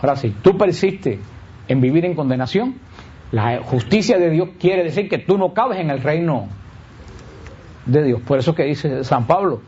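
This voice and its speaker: A man's voice: normal speed, a little hiss or hum. A man giving a conversational Bible teaching, asking his audience questions and answering them himself with emphatic swings. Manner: lively, rhetorical questions, answers his own questions; emphatic swings in pitch and pace. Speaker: Catholic preacher teaching on Romans. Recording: dull lo-fi recording.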